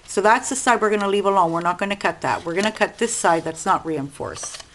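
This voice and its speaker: A woman's voice: medium pitch, brisk, a little hiss or hum, low-quality recording. Chatty crafting woman with Italian-American accent. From Sicily. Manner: chatty, explaining while working with hands. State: itchy throat, clearing it. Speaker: craft channel host. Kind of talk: casual craft tutorial. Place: home craft desk.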